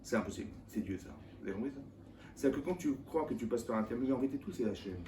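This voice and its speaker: A man, a rabbi, giving an informal Torah lesson to a live audience in a colloquial, animated way, throwing rhetorical questions at his listeners. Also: mid-range voice, very fast. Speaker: rabbi teaching a Torah class. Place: lecture room with live audience. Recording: echoey room, mic at a distance, faint background noise.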